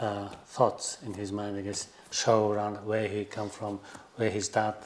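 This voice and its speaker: Speaking in a Mongolian accent, a man with a fairly low pitch talks at a fairly slow pace. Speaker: podcast host. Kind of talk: podcast interview. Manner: halting.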